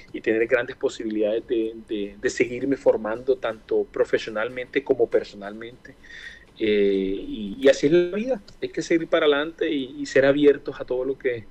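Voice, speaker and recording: A man in his forties with a Caribbean Spanish accent from Barranquilla, answering casually in an interview with hesitant, drawn-out pauses. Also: medium pitch, darkish tone, highs cut off. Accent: Colombian Caribbean Spanish (costeño, Barranquilla). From Barranquilla, Caribbean coast of Colombia. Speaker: interview guest, aviation engineer. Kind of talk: casual interview, personal reflection.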